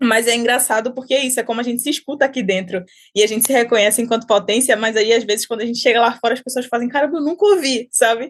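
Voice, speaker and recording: A high-pitched woman at a very fast pace, with fairly even intonation and hardly any pauses. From Brazil, Pernambuco (Paulista, Recife metro area). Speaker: singer. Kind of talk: interview.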